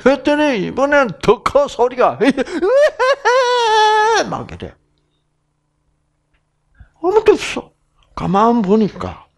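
A man giving a health lecture, telling a personal story in an animated way and acting out the sounds in it. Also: sits high.

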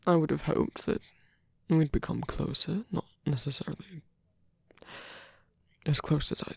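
A man acting a lovestruck villain in an ASMR roleplay, flirtatious yet sincere and protective, confessing haltingly in a breathy, husky voice that often drops to a whisper. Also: a little high, no room sound, studio quality, full character voice. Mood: flirtatious, flustered. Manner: halting, hesitant confession with small sighs. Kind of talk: ASMR roleplay, intimate one-sided dialogue.

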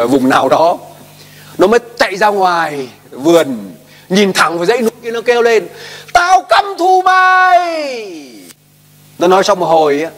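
A male pastor preaching a sermon emphatically, posing questions and asking the congregation to repeat after him. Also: high-pitched. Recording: long hall reverb.

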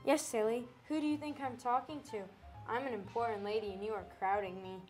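A woman's voice: fairly high pitch, steady tone, a little fast, a little mellow, faint music behind, lightly acted. A woman voicing a bossy, snooty lady in a puppet show, haughty and impatient.

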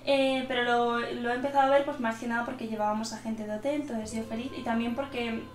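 An eighteen-year-old woman from central Spain, casually answering viewer questions in a quick, nervous way, stumbling over words and laughing often. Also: a little high, fairly even intonation, echoey room, slight background noise. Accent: Spanish from central Spain. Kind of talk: casual Q&A vlog. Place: small room indoors.

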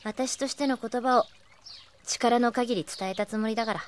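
Woman acting a brash, high-voiced tomboy warrior. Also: normal speed, a little hiss or hum, close to an everyday voice. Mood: gruff, earnest. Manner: coarse tomboyish speech. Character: brash, rough-talking young female warrior, fiercely proud, protective. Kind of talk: anime radio drama acting. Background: loud music.

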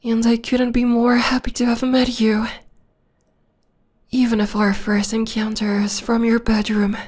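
Woman playing a breathy, obsessive vampire girl. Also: a little high, level tone, a little mellow. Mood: obsessed, adoring. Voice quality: breathy, whispery. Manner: intimate, slow, lingering delivery. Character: obsessive, possessive young female vampire stalker, tender and menacing. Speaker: voice actor. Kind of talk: ASMR roleplay.

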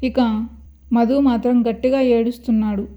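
A woman narrating a scripted horror story in a steady, dramatic storytelling manner. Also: on the high side, moderate pace, lo-fi sound.

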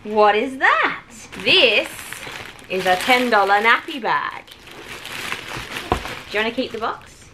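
A woman's voice: a little high, slow pace, pauses often. A woman chatting casually at home as she reviews a product, with children nearby. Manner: chatty and relaxed, with many "like" fillers. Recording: clearly noisy home recording.

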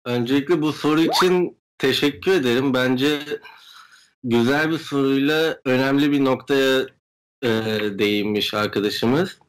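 A man's voice: medium pitch, normal speed, poor audio. A young man, a guest artist, explaining his work and views in an interview over a video call. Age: young adult. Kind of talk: interview answers, explanatory talk. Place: indoor room at home, video call. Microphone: video call microphone.

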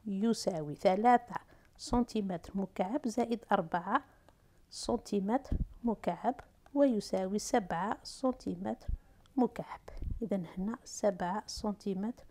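A woman's voice: medium pitch, mellow. Woman teacher with an Algerian accent. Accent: Algerian Arabic. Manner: talks through steps slowly, asks and answers herself. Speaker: math and physics teacher. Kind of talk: whiteboard lesson for middle school.

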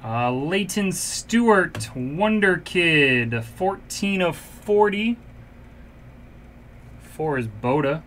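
Slow, offhand man calling out cards. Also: on the high side, animated, a bit bright, slight background noise. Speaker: card break host. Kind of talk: casual live card-break commentary. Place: indoor card shop room.

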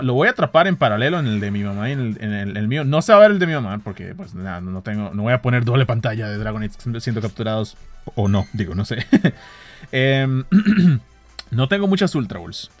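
A man with a Costa Rican Spanish accent, giving casual running commentary as he plays a phone game outdoors early in the morning. He talks excitably, swears, and laughs at himself. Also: mid-range voice. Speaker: gaming vlogger. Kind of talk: casual commentary while playing. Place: outdoors walking near home in the early morning.

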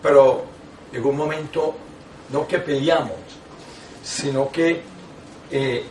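An older man, a priest, teaching a lay audience in a small meeting room, telling stories with lively asides and restarts. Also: medium pitch, takes it slowly, distant mic, slight background noise. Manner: animated storytelling with frequent asides and restarts. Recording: echoey room, taken from afar.

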